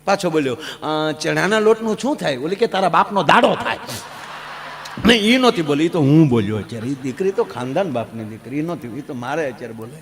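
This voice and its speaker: Animated male storyteller. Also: a little high, quick pace, few pauses. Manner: animated storytelling, swinging from hushed asides to loud declaiming. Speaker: folk comedian and storyteller. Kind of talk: Gujarati folk comedy storytelling on stage. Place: stage at a religious gathering.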